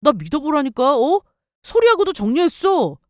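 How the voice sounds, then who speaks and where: A woman's voice: sits high, big pitch swings, normal speed, dry recording, studio quality. Woman voicing a whiny clingy ex-husband. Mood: pleading. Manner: whiny, pleading. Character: clingy, self-pitying ex-husband, man in 30s. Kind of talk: dramatized story reading.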